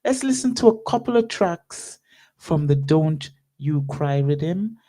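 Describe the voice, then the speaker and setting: A man's voice: fairly high pitch, animated, slow, warm tone. A man hosting a radio show, signing off in a laid-back patter with speech and plenty of fillers. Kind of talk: casual radio sign-off.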